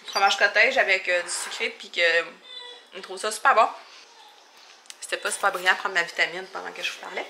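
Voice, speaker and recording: A young woman with a Québécois French accent, chatting casually in a vlog, often laughing and filling pauses. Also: mid-range voice, creaky, noisy background. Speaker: vlogger.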